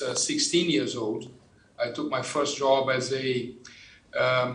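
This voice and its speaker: A man in his fifties with a Brazilian accent, a native Portuguese speaker, talking through his career in a measured, explanatory way as an interview guest. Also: medium pitch, sharp tone. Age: 50s. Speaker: company executive, interview guest. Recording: roomy, echoing sound.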